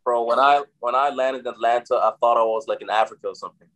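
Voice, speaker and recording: A man's voice: medium pitch, fast talker, poor audio. A young man who grew up in Austria, speaking with an American accent, talking confidently as a guest on a video call interview. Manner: energetic, confident, says bro a lot. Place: bright room with large windows.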